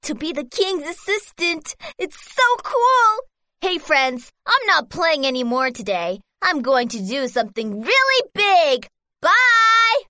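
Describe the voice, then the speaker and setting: A woman voicing an eager, excitable little rooster boy in a children's audio story, bouncy and squealing. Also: high-pitched, takes it slowly, no room sound, studio quality, exaggerated voice. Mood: excited. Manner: bouncy, squealing, wide-eyed.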